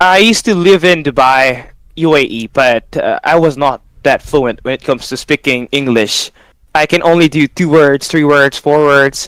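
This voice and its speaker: A man with a Filipino accent and a fairly high pitch, ordinary pitch variation and a moderate pace, in a dry, close sound with no echo. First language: Tagalog. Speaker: esports caster. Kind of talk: podcast interview.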